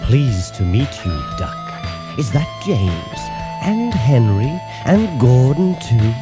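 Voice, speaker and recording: A man voicing a conceited male diesel engine with a smooth, oily, purring manner, in a storybook reading. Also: mid-range voice, very animated, slow, over loud music, voice pushed up. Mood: oily, boastful.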